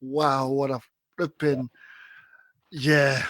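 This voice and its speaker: A man's voice: mid-range voice, little pitch movement, very slow, fairly bright tone, no room sound. A man co-hosting a wrestling podcast, telling stories casually and laughing as he talks. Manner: laughs through his stories. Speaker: co-host.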